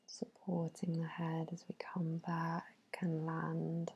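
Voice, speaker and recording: Playing a facial massage therapist, a woman whispers a bedtime ASMR massage in a soft, dark, breathy voice that sits low. She talks very slowly and soothingly, keeping her delivery even and hushed as she guides each step.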